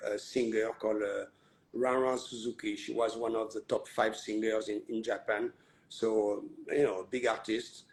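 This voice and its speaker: Halting man interviewing. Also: medium pitch. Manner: halting, many fillers and restarts. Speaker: host. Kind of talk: live online interview.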